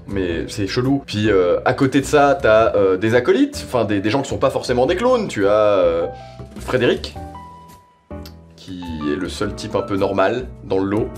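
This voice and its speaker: A man's voice: fairly low pitch, lively intonation, normal speed, soft background music. A man giving a slangy, casual spoken review, rambling conversationally and repeating himself for emphasis. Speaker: reviewer presenting audio series.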